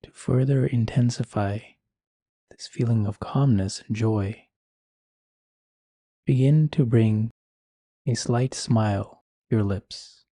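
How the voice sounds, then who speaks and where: Calm guy doing a guided meditation, soft mellow voice, really dry close sound. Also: medium pitch, slightly rough, no room sound. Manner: calm, soothing, unhurried with long pauses. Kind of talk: guided meditation, slow scripted instruction.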